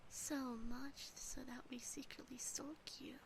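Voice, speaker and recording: A woman voicing a possessive, affectionate demon sister in an ASMR roleplay, soft and breathy at a close microphone. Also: high voice, level tone, unhurried. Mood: tender, explaining. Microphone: close binaural microphone.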